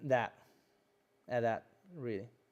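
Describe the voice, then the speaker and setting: A man speaks with a Chinese accent. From Southern China. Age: 20s. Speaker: tech YouTuber. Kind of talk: live stream chat. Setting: live stream. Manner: halting, repetitive stammering.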